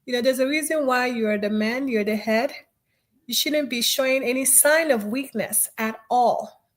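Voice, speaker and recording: A woman hosts a live audio discussion, upbeat and brisk, encouraging the speakers. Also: fairly high pitch. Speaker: host of a live audio room. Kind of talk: hosting casual live chat.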